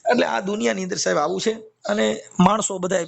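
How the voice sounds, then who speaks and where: Kathiyawadi gujarati guy, really high voice, preaching devotional stuff on a call, keeps repeating verses. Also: fairly even intonation, fast, creaky. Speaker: devotional speaker with a YouTube channel. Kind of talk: informal spiritual discourse on a phone call.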